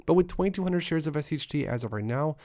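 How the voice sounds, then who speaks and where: Man, thirties, investing channel host, fast-paced, gravelly, brisk upbeat explaining. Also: a little high, lively intonation, dark tone. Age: 30s. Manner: brisk, upbeat run-on explaining with lots of lists and asides. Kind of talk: solo finance talk to camera.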